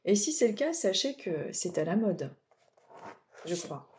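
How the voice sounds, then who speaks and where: A chatty French woman with a mellow, mid-range voice speaks a little slowly with big pitch swings. She's a medium giving oracle card readings, offering casual spiritual guidance in a rambling, digressive way full of fillers.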